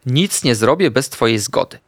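A gentle badger doctor talks calmly and kindly to a nervous patient, as a man reading a children's story puts him on. His voice moves expressively up and down. The sound is close and dry. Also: medium pitch, normal speed, no room sound, close to an everyday voice. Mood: friendly. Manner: calm, friendly, reassuring. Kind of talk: storybook character voice.

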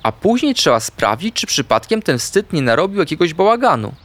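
A man doing a wise, gentle owl teacher. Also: fairly high pitch, brisk, voice pushed up. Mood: encouraging. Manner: calm, kind, explaining patiently. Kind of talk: storybook reading for children.

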